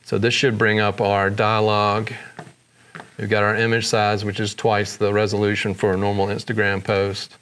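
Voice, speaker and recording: A man with a fairly low voice narrates a screen-recorded editing tutorial. He moves step by step in an easygoing way, dropping in fillers as he goes. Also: normal speed, a little hiss or hum. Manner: relaxed step-by-step explaining with fillers. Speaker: photography tutorial host.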